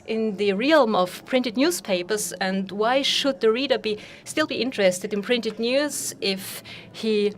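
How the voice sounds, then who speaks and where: Woman with a higher voice interpreting a formal speech. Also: unhurried. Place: conference.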